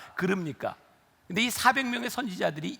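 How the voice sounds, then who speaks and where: A man talks at a fairly quick pace with a high pitch and very wide pitch swings. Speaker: pastor. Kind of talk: sermon. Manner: fast.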